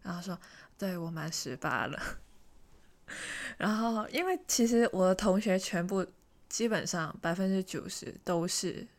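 A young woman from Hong Kong casually telling a personal story, chatty and self-mocking, often dropping into hushed asides. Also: on the low side, animated, a little slow. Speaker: vlogger.

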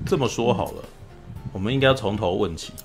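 A man's voice: lowish voice, fairly quick, over music. A man with a Taiwanese accent hosting a casual interview chat. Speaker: interview host.

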